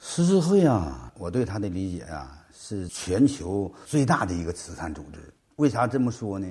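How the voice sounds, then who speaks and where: This voice has a northeastern Chinese accent, a dark, mellow tone and vocal fry. It moves at a moderate pace with very wide pitch swings and big swings in loudness. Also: man, fairly low pitch for a man. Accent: northeastern Mandarin. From Liaoning, northeast China. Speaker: museum founder and businessman. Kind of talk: interview. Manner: halting, many fillers.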